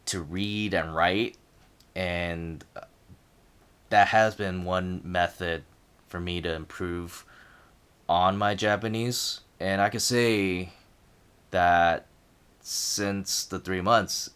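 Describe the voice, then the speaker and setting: Very deep-voiced man, clear and smooth. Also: steady tone, takes it slowly, a bit bright. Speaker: language learner sharing progress. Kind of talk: casual reflective talk to camera.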